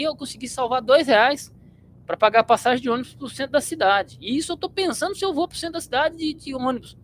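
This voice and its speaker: A man's voice: very high-pitched, a little hiss or hum, low-quality recording. A man from São state, hosting his channel in a blunt, slangy, rambling monologue to viewers. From São Paulo state, Brazil. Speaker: channel host.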